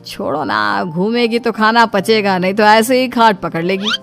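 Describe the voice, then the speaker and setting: A woman's voice: mid-range voice, normal speed, gravelly, faint music behind, lightly acted. A woman voicing a casual, dismissive young husband and son in a cartoon story.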